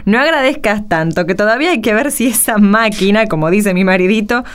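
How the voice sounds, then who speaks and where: A woman's voice: medium pitch, brisk, clean tone, lightly acted. A practical wife in a radio play, acted by a woman, teasing yet caring. She has an Argentine accent and a mid-range voice. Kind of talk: radio drama acting.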